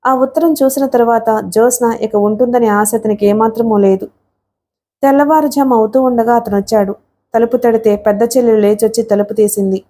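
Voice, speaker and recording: A woman narrating a novel for an audiobook in a steady, expressive storytelling manner. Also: a little high, fairly quick.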